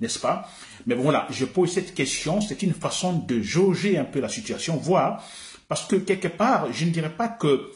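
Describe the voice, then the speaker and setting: This man's delivery has lively intonation and a moderate pace. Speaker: political commentator. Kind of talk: commentary.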